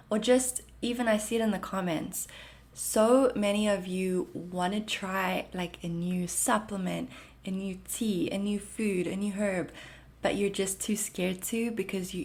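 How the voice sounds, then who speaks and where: A woman in her thirties from South Africa, with a South African accent blended with Canadian, hosting a solo podcast in a gentle, reassuring and chatty way, full of "like" and "um". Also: medium pitch, gravelly. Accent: South African mixed with Canadian. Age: 30s. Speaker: podcast host. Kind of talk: casual solo podcast talk.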